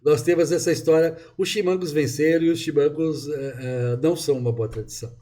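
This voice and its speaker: A man's voice: fairly high pitch, quick pace, dark tone. A man from southern Brazil with a gaúcho accent, talking in a rambling, emphatic way full of restarts during a casual conversation. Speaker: author and interviewee.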